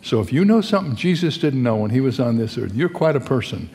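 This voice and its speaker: An older man preaching in a conversational, storytelling way, tossing rhetorical questions to his congregation. His voice sits at an ordinary middle pitch. It rings with the long reverb of a big hall. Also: lively intonation, fast, warm tone, slight background noise. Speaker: pastor. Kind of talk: sermon.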